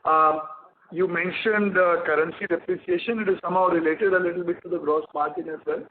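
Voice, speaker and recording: Echoey Indian executive on a conference call. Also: male voice, high-pitched, steady tone, a little fast, narrow, tinny audio. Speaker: company executive answering investor questions. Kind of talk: earnings call answers.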